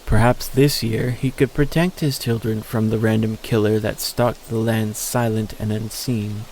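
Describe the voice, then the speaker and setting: A man's voice: on the low side, flat delivery, a little slow, a little mellow, slight background noise, low-quality recording. A man narrating a scripted story in an audio drama.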